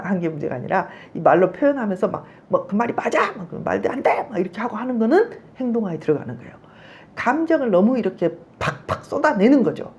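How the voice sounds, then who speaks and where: Middle-aged woman professor lecturing on psychology in a conversational way; her pitch moves a lot, and she acts out angry examples. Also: a little mellow. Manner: conversational, checks in with listeners often.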